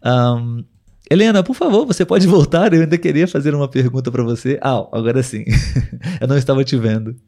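A man hosting a live podcast, talking patiently and clearly with listeners over a video call. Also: medium pitch, warm tone. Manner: patient, clear, slowed for learners. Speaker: podcast host.

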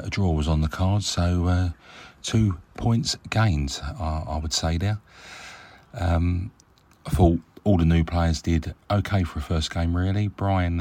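A man leaving a casual, rambling voice message as a caller to a fan show. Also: deep voice. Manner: relaxed, chatty, hesitant with many ums. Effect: recorded voice message.

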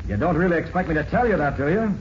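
An actor playing a defiant, scheming robber in 1940s radio style, on a muffled old broadcast recording. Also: male voice, on the high side, expressive, rapid-fire, a little hiss or hum, lightly acted. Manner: defiant, boastful. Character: caught male robber, defiant scheming crook with loyal pals.

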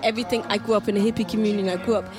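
A woman's voice: mid-range voice, little pitch movement, racing. A young woman from Denmark, a singer-songwriter, chatting giggly and loose with lots of fillers in an interview. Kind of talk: casual interview chat. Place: music festival, outdoors. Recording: live festival radio, loud music behind. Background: stage music playing.

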